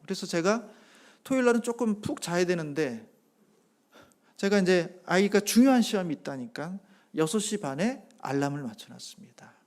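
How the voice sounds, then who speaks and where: A middle-aged male pastor giving a sermon, swelling loud on key phrases and then dropping soft, with homely family stories along the way. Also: on the high side. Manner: tells a homely family story with acted-out quotes.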